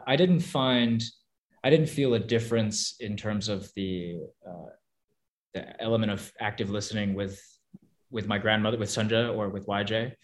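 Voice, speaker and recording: A young man with a somewhat low voice, whose first language is Korean, talks through his work as an actor in a relaxed interview. He pauses, restarts his phrases and laughs softly as he thinks aloud. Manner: thoughtful, with frequent restarts and soft laughs. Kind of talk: reflective interview answers.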